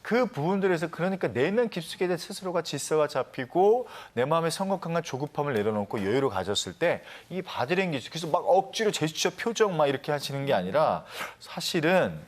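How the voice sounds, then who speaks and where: A man's voice: on the high side, big pitch swings, fairly quick, hardly any pauses. A man on a TV panel as a communication expert, lecturing earnestly with many fillers. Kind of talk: TV panel advice talk.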